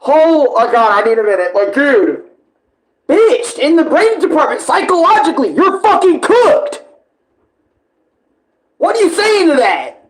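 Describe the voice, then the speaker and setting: A man doing casual live reaction commentary as a streamer, talking in an animated, slangy way full of swearing. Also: very high voice, measured pace, pauses often, a little hiss or hum, poor audio.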